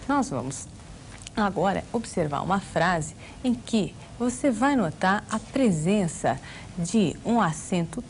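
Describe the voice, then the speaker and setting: A woman's voice: medium pitch, darkish tone, slight background noise. A woman with a Brazilian accent teaching a grammar video lesson, explaining patiently and asking rhetorical questions. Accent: Brazilian Portuguese. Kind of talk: video lesson for exam prep.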